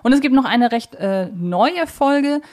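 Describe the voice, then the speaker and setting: A woman's voice: a little high, expressive, unhurried, a little mellow. A woman co-hosting a casual, analytical podcast, who often searches for her words and corrects herself as she talks. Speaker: podcast co-host.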